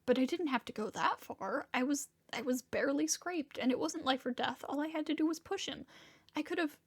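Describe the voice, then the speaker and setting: A woman voicing a distraught young monstrous man in a dramatic first-person story, confessing in halting, profane, conversational speech. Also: fairly high pitch, a little mellow. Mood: guilty, anguished.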